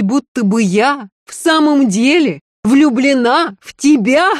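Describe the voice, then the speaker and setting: A narrator voicing a proud, famous actress who screams scornful insults in a high, declamatory voice. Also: dry recording, clean studio sound, heavily acted. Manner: shrill, mocking, declamatory.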